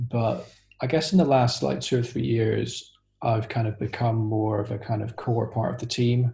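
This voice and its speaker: A man speaks at a moderate pace and a medium pitch, with ordinary pitch variation. His tone is dark and mellow, and somewhat breathy. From Scotland. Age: 20s. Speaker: guest who stutters. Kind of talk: interview conversation. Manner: halting, stuttering with fillers.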